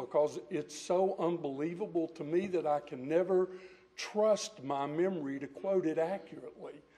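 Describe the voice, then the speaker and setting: Over noticeable background noise, a high-pitched man with an American accent speaks at a moderate pace with ordinary pitch variation. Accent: mountain. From Western North Carolina. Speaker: public commenter at council meeting. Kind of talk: public comment. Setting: town council meeting.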